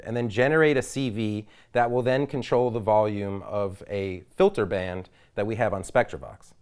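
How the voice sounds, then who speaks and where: A man giving an instructional demonstration as a product presenter, explaining in measured phrases. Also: medium pitch, smooth. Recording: loud drum machine and synthesizer behind. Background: drum machine and synthesizer sounds.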